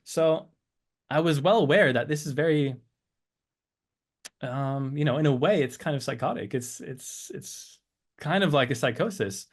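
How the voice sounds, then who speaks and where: A man's voice: on the high side, measured pace, long pauses. A man in his thirties from Switzerland and the United States, reflecting on personal experience as an interview guest, often searching for words.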